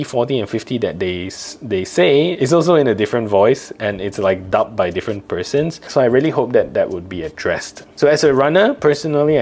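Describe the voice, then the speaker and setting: A man's voice: mid-range voice, a little mellow. A man with a Singaporean accent and Singlish manner of speech, giving a casual tech product review.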